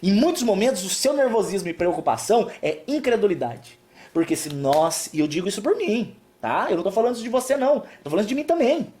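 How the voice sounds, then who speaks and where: A man preaching as a pastor on a live stream, soft and calming with hushed stretches and emphatic points. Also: high voice, quick pace.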